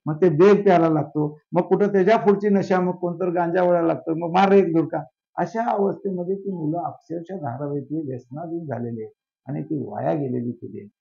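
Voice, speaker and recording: Passionately interviewed, a social worker rattles off long lists and poses rhetorical questions. He speaks a little fast in a slightly high voice with vocal fry, and the audio is dull and lo-fi.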